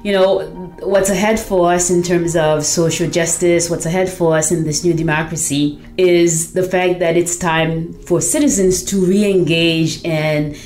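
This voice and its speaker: A woman podcast host from Haiti shares her story in a low, earnest voice. She talks reflectively, leaning on "you know" as she thinks. Soft music sits faintly behind her. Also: fairly even intonation, a little slow. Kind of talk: personal testimonial.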